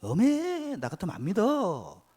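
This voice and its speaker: A man voicing the prophet Elijah as a brash, mocking man with a Jeolla dialect, taunting and shouting coarsely. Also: sits high, huge pitch swings, a little slow, voice pushed up, full character voice. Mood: scornful.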